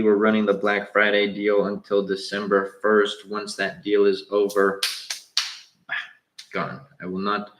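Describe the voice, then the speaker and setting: He's a young livestreamer with a Southern Californian accent, casually answering his viewers in loose slang. The voice is a touch low and a bit bright, and echo rings through the room.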